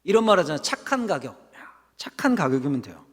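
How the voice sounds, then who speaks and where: A man's voice: on the high side, sing-song, quick pace. Man preaching in an echoing church. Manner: conversational preaching with rhetorical questions and acted quotes. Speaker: senior pastor. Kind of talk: sermon. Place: church sanctuary. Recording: long hall reverb.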